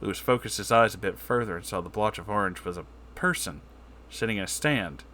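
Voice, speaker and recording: A man's voice: on the low side, a little fast, sharp tone. A man narrating a comedic story in a dramatic, theatrical way.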